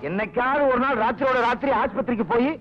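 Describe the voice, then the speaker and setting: An actor playing a sarcastic policeman husband who trades deadpan retorts with his wife in a dull, lo-fi old film soundtrack. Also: very high voice, racing, soft background music. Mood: bickering. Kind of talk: 1980s Tamil film comedy acting.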